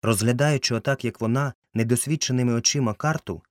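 A man narrating a novel in a measured, clear reading. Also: mid-range voice, no echo, clean studio sound. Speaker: audiobook narrator. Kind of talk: scripted narration.

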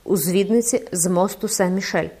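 Woman voicing a ghostly cloaked man, low, cold, sepulchral, audiobook. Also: normal speed, mellow, slightly rough. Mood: menacing.

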